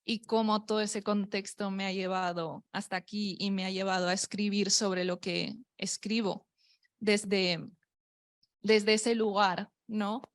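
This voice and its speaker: Woman poet, panel speaker, medium pitch, nervous and halting, filler-heavy. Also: steady tone. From Spain. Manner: nervous, hesitant, many fillers. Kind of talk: unscripted panel talk. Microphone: microphone at a public talk.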